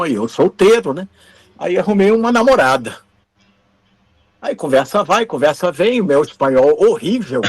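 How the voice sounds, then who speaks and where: A man in his fifties from Brazil, a former TV camera operator, telling anecdotes in an interview and acting out the dialogue. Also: high-pitched. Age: 50s. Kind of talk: storytelling interview.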